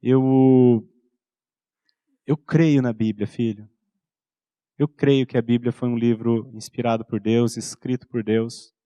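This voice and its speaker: A Brazilian pastor in his thirties preaches in an intimate storytelling way, dropping his voice low when he acts out bedtime talk with his son. His voice sits in a middle pitch. The sound is dry and close, with no room echo. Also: level tone, slow pace, pauses often, mellow, smooth. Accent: Brazilian Portuguese. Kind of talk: sermon.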